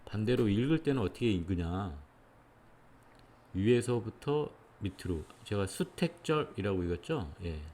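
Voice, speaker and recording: Male lecturer, lowish voice, calm and methodical, walks through each point with small affirmations. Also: a little slow. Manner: patient, step-by-step explaining with frequent "예" check-ins. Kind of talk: explanatory lecture.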